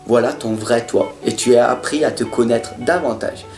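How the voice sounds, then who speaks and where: Guy doing a tarot horoscope, kinda stammery, goes loud then soft, echoey room, bit of music. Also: mid-range voice, moderate pace. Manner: earnest, repetitive motivational talk; stutters at times. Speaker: tarot reader. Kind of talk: monthly horoscope reading. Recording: roomy sound with faint guitar music.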